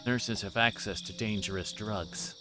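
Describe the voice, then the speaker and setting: Low-voiced dogged older detective acted by a man. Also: fairly even intonation, measured pace, over music, close to an everyday voice. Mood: probing. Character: dogged older male police detective nearing retirement.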